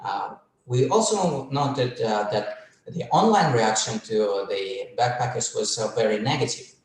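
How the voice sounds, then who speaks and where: A man's voice: medium pitch, lively intonation. Russian-born man giving an academic talk. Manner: measured, many filler pauses. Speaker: webinar speaker on tourism research. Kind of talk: academic presentation. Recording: echoey room, far from mic.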